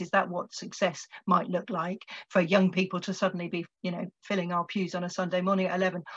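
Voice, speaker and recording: Over a quiet background, a woman talks at a fairly quick pace in a somewhat breathy voice. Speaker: webinar moderator. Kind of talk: moderating a webinar. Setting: video call. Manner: hesitant, many fillers. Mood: thoughtful, engaged. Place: home room. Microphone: video call.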